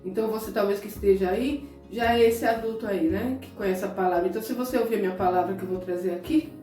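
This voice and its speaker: This evangelical preacher, a middle-aged Brazilian woman, gives a sermon-style talk to her viewers, speaking to them directly and conversationally with a mellow, medium-pitched voice at a fast clip. She gets emotional, close to tears at times. It's recorded from a distance in an echoey room with soft guitar music in the background.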